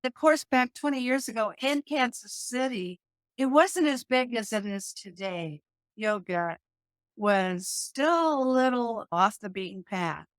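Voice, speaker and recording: Animated middle-aged woman with a dry sound. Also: a little high, a little slow, no echo. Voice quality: calming voice. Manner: animated, laughs often, restarts sentences. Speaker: guest, yoga teacher and hypnotist. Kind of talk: conversational interview.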